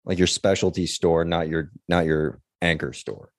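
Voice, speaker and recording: A male podcast co-host with a very deep voice talks in a casual, rambling way. The sound is dry, with no room around him. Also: steady tone, normal speed, dry recording. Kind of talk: casual chat.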